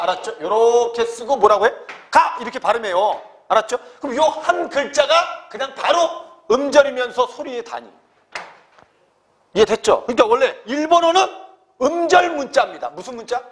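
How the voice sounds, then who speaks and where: A middle-aged male teacher with a high, animated voice that swings widely in pitch. He lectures a grammar class, tosses out quick "got it?" checks, poses questions and answers them himself, and slows right down when he dictates definitions. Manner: constantly checks understanding with quick tag questions.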